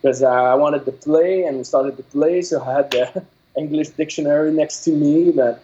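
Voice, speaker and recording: A man from Quebec whose first language is French, speaking English with a Québécois accent as an interview guest, pausing often to find his words. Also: fairly high pitch, fairly even intonation, warm tone, slight background noise. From Quebec, Canada. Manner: halting, many fillers and restarts while searching for words. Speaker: game developer guest. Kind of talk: casual interview. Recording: dull lo-fi audio.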